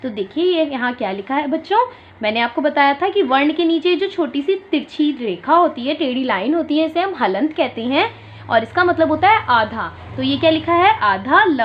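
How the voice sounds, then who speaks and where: A woman teaching an online lesson to small children. She stretches out syllables slowly and asks questions, then answers them herself. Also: high-pitched. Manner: slow drawn-out syllables, asks and answers her own questions. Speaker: primary school teacher. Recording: dull lo-fi sound.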